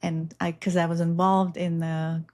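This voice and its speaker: Russian-native woman, low earnest voice. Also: level tone, moderate pace, darkish tone. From Belarus. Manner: earnest, meandering, many fillers. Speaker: spiritual guest. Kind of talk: casual interview talk.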